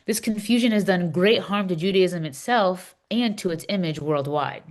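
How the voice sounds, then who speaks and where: A woman plays an earnest Palestinian Christian woman leading a readers theater discussion. The voice sits a little low for a woman. The delivery is measured, welcoming and explanatory. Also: darkish tone, natural voice.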